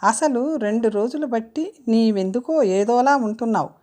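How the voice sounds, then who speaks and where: A woman voicing a caring, cheerful young man as she reads an audiobook story, with a lively, coaxing delivery. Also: on the high side, moderate pace, voice pushed up, close to an everyday voice. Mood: teasing. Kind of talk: audiobook character reading.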